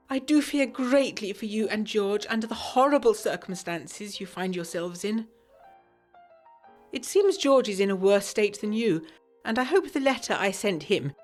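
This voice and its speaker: An actress playing an earnest, anxious young Englishwoman of the 1920s, reading her letter in formal, articulate English tones for a gothic audio drama. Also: mid-range voice. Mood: anxious, resolute. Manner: formal, articulate, expressive period diction.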